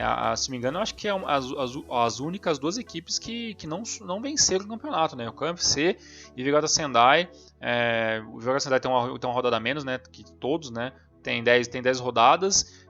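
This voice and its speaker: A man's voice: mid-range voice, fairly bright tone. Rambling man on a lo-fi podcast. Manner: rambling, many fillers and restarts. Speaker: podcast co-host. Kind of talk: casual football chat.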